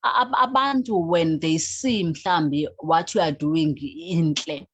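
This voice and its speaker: A woman's voice: deep voice, unhurried, husky, dry recording. A woman with a South African Xhosa accent speaking as an interview guest, switching between languages. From South Africa, Eastern Cape. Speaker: guest, founder of a youth organization. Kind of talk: interview talk, mixing languages.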